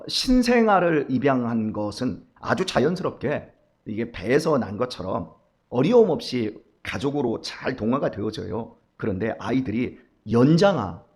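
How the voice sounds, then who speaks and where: A middle-aged man preaching a dawn sermon, telling stories and acting out the voices of the people in them. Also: medium pitch. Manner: storytelling, animated, acts out quoted voices. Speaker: pastor.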